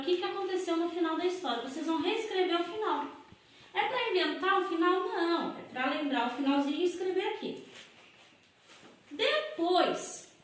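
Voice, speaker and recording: A woman with a Brazilian Portuguese accent, a primary school teacher giving a recorded lesson to children and sounding out words slowly, syllable by syllable. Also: very high-pitched, fairly bright tone. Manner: slow, exaggerated syllable-by-syllable explanations. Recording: echoey room.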